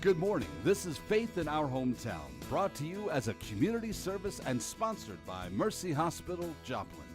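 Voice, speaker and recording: A male announcer delivers a scripted show opening in a lively, animated voice that sits somewhat high. Clear guitar music plays beneath him. The delivery is formal and polished. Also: normal speed. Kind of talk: scripted broadcast intro.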